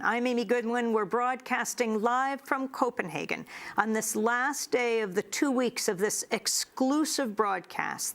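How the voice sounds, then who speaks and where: Woman news host, middle aged, gravelly edge, steady clear delivery. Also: mid-range voice. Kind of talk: live news broadcast presenting.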